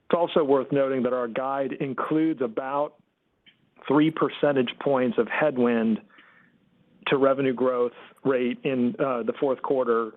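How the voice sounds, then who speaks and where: A man speaking as a finance executive, giving careful, formal answers on an earnings call over a tinny phone line. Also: medium pitch.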